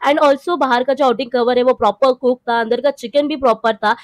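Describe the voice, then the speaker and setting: A woman's voice: high voice, fairly even intonation, brisk, no room sound, lo-fi sound. A young woman food vlogger talking with her mouth full, chewing as she reviews dishes in a cafe and slips English phrases into casual chat. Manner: chatty, mixes English phrases into Hindi.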